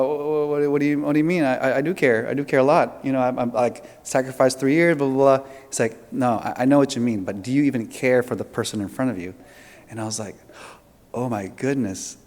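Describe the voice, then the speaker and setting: A man's voice: medium pitch, a little mellow, long reverb tail. A man from Indonesia leading a seminar talk, asking the audience questions in a conversational way with fillers and restarts. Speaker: seminar presenter.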